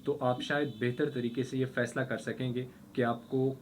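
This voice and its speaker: Male co-host recapping super fast on radio, slight background hiss. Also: medium pitch, little pitch movement. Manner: rapid, fluent summarizing.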